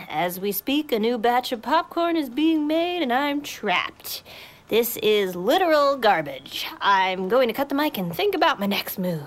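Waffles, woman doing a hyper, scheming pet dog. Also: fairly high pitch. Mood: sulky. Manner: excitable, dramatic, to-camera asides. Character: scheming, popcorn-crazed female pet dog.

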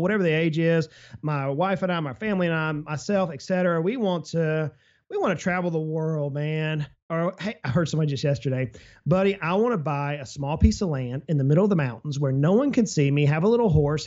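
Upbeat male advisor, slightly high voice, conversational, muffled lo-fi audio. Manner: energetic, explains with travel analogies and hypothetical quotes. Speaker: financial advisor guest. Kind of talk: casual business podcast talk.

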